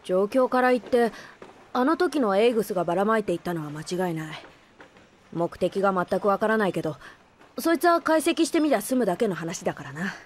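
A woman voicing a cocky young male boss with rough, casual boyish speech in an audio drama. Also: medium pitch, expressive, a little fast, slight background noise, natural voice. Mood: brisk, frank. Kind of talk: anime-style audio drama acting.

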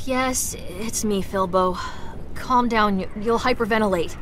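A woman's voice: mid-range voice, a little slow, close to an everyday voice. A woman voicing a hardened, guilt-ridden furry adventurer in a cartoon video game, speaking bluntly and intensely. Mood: curt, determined. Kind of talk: animated video game character acting.

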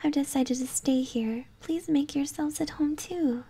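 A woman voicing a sweetly polite false queen in a game, a monster feigning hospitality in a breathy, genteel whisper. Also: high-pitched, measured pace, mellow. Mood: sweetly welcoming.

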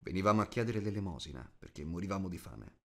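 Man playing a low-voiced stubborn dwarf captive. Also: sing-song, fast, vocal fry, full character voice. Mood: stubborn, guarded.

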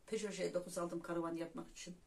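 Low-voiced woman vlogging from a distance. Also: little pitch movement, vocal fry. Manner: unhurried, personal, often addresses viewers as friends; hesitant fillers between phrases. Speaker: YouTube channel host. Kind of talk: casual spiritual vlog monologue. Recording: distant mic with faint background noise.

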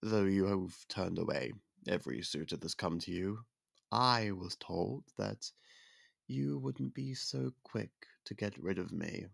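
A man playing a gravelly-voiced courtly young prince. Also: sits low, unhurried, dry recording, clean studio sound, exaggerated voice. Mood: courteous. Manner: polite, formal, soft-spoken courtship talk. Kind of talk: ASMR roleplay.

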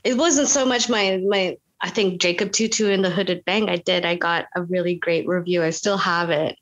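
Woman from Canada, guest actress, chatty storytelling, filler-heavy, animated quoting. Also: fairly low pitch, normal speed. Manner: animated, frequent "like" fillers, quotes people in voices. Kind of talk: casual interview storytelling.

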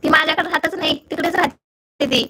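Bright high-voiced Marathi woman live-streaming. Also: steady tone, fairly quick, poor audio. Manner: chatty, keeps checking her audio with viewers. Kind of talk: casual live chat with viewers. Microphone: phone.

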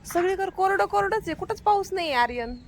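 A vlogging mom with a very high-pitched, lively voice speaks briskly into the phone in her hand, standing on a house rooftop in the rain. She exclaims and teases her son with mock scolding over a faint hiss or hum.

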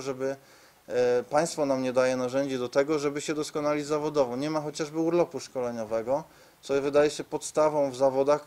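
A man gives a formal, measured presentation at a press conference, pausing hesitantly. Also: a little high, darkish tone. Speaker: medical reform spokesman. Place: conference room, seated at a table before a screen. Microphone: press microphones on the table.

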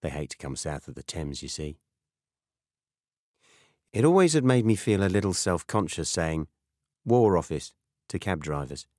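A British man narrates a first-person novel in a deep voice. His delivery is measured and dry. The recording is close and free of room sound, as suits a scripted audiobook. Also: big pitch swings, darkish tone, no echo.

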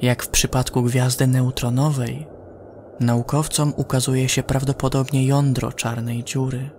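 A man narrates a science-fiction horror tale at a slow pace. His delivery is measured, with dramatic pauses and a mid-range pitch, over faint background noise. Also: darkish tone. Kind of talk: scripted horror sci-fi narration.

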